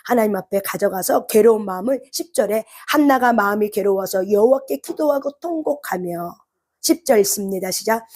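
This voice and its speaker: A woman preacher giving an impassioned sermon. She keeps asking the congregation questions, and her voice climbs into shouted cries. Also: mid-range voice, expressive, brisk. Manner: impassioned, rises to shouted cries when voicing prayer; asks the congregation rhetorical questions.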